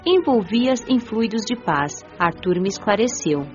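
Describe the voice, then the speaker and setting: Actress as young spirit lady telling her afterlife story, thoughtful, animated intonation, music under, bit lo-fi. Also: mid-range voice, natural voice. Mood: reflective, serene. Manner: measured, reflective storytelling. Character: gentle, devout young female spirit recounting her afterlife. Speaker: narrator and lead of an audio drama. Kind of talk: scripted radio drama narration.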